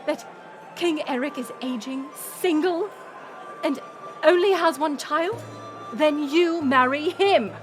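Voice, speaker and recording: Woman as middle-aged queen, high voice, slow delivery, proud, commanding, weary, audio drama. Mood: stern, exasperated. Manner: commanding, formal, measured. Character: proud, controlling queen mother, weary but regal. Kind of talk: dramatic audio roleplay acting. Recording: music and crowd murmur behind. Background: music and banquet crowd.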